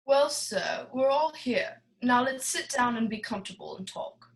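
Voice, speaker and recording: A woman's voice: on the high side, lively intonation, normal speed. A woman playing a suave, pompous older male crime boss in a radio play, speaking with courtly wordiness. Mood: genial, controlled. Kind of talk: old-time radio play acting.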